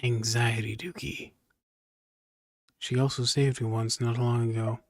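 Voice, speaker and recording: A woman's voice: extremely low pitch, little pitch movement, measured pace, a little mellow, dry recording, studio quality. A woman streaming a video game, reading dialogue aloud and adding playful asides.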